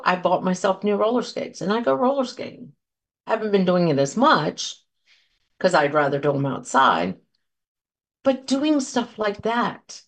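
A woman in her fifties hosting a solo podcast, talking casually and encouragingly, rambling through anecdotes and asides to her listeners. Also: on the low side. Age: 50s. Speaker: podcast host and coach.

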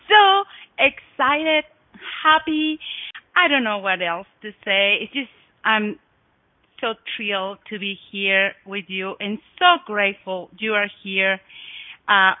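A woman's voice: a little high, dry recording. Effusive Mexican-accented woman, thin phone-like sound. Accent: Mexican Spanish. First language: Spanish. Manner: effusive, breathy gasps, swooping emphasis. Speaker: podcast host. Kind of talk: personal storytelling to listeners. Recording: dry phone-like audio.

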